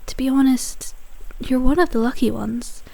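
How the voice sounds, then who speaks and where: A woman's voice: sits high, normal speed, gravelly. A woman playing a polite, formal asylum nurse who is kind but firm, in an ASMR audio drama. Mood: polite, soothing. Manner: formal, courteous, gently euphemistic. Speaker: nurse guiding a patient.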